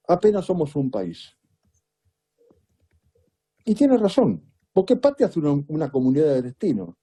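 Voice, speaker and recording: A man's voice: high voice, warm tone, husky. A man from Buenos Aires with a Rioplatense accent, giving emphatic, rhetorical political commentary as an interview guest. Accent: Rioplatense Spanish. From Buenos Aires, Argentina. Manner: emphatic, rhetorical, repeats "¿es cierto?".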